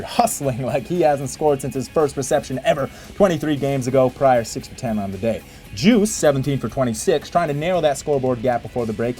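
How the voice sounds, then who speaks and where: A man reading a scripted sports highlights voice-over in a playful, wry manner with theatrical emphasis. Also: dark tone. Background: music bed.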